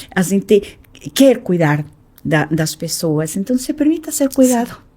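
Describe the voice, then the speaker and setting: A woman speaks at a fairly slow pace in a medium pitch, somewhat breathy. Her dark, mellow tone carries very wide pitch swings. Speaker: institute worker. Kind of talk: casual chat.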